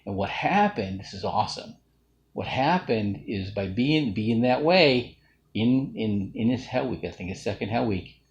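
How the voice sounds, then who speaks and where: A man's voice: medium pitch, lively intonation, a little slow, highs cut off. A middle-aged man from Alabama, talking through a casual, rambling self-reflective monologue full of fillers and restarts. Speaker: vlogger.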